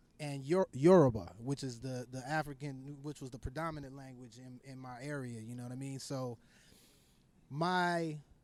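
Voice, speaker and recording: Here a man with an American accent speaks at a moderate pace and medium pitch. His tone is animated, with big swings in loudness. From Dayton, Ohio, with childhood years in Lagos, Nigeria. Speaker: rapper. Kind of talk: casual interview. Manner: animated, many fillers and restarts.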